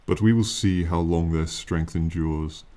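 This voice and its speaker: A man voicing an ancient, proud male dragon in an ASMR fantasy roleplay, speaking slowly and formally with lofty, condescending yet fond authority. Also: low-pitched, mellow. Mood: proud, warning. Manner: slow, formal, lofty, archaic phrasing.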